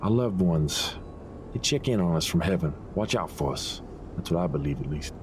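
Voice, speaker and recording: Man acting a very deep-voiced, folksy deputy marshal. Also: expressive, normal speed, noisy background. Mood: earnest, wry. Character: gruff, pious, protective deputy marshal telling a campfire-style story. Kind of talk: audio drama dialogue and storytelling.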